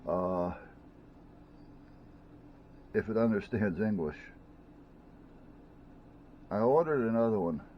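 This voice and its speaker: Rambling low-voiced man, dull recording. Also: expressive, slow, pauses often, slight background noise. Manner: rambling, chatty, frequent restarts and fillers. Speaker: vlogger reviewing gadgets. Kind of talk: casual unboxing chat. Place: at home.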